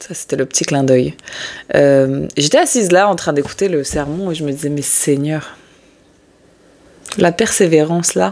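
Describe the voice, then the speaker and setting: A woman speaks at a fairly slow pace with a very deep, low pitch and ordinary pitch variation. Her loudness swings widely, and she leaves long, frequent pauses. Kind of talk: casual devotional talk with scripture reading. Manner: hesitant, many fillers.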